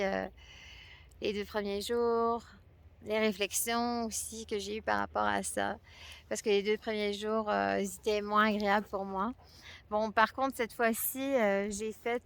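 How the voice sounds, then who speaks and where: Québécois accent woman, raspy fry in her voice, talks slow and unsure outdoors. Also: medium pitch. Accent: Québécois French. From France and Quebec. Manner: hesitant, many pauses and fillers. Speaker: vlogger sharing a fasting experience. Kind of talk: reflective personal talk to camera. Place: outdoors at a spot near hummingbirds.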